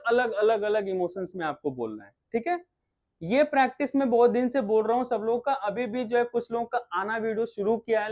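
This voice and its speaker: A man teaching an online acting class, explaining at a relaxed pace with many fillers and repeats. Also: high-pitched, muffled recording.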